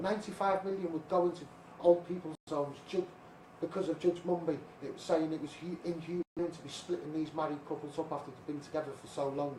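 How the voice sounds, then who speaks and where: Over noticeable background noise, a man with a Liverpool accent speaks at a fairly quick pace in a fairly high, monotone, flat voice with big swings in loudness. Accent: Scouse. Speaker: campaigner. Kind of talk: live stream talk to camera. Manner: agitated, ranting.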